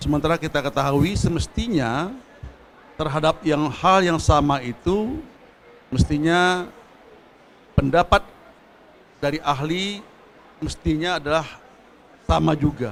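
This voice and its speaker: Pausing long and often, a man with an Indonesian accent speaks at a fairly high pitch with ordinary pitch variation. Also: moderate pace. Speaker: judge. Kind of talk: panel discussion. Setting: conference pavilion.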